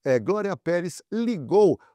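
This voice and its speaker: A man's voice: high-pitched, sing-song, measured pace, dark tone, dry recording. A man hosting a true-crime channel, explaining the case directly to the viewer. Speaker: channel host narrating.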